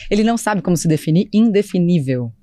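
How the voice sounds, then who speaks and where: A woman's voice: lowish voice, lively intonation, fast talker, warm tone, no room sound. Playful Brazilian woman hosting a podcast. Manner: playful, teasing introductions. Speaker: podcast host. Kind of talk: casual podcast interview.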